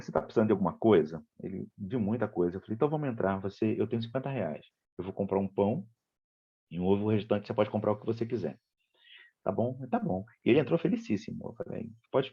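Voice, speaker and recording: A man's voice: lowish voice, breathy edge, dull audio. A man with a Rio de Janeiro accent giving a spiritist lecture, telling a story in a conversational way and acting out the dialogue. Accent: Brazilian Portuguese, Rio de Janeiro. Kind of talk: storytelling talk.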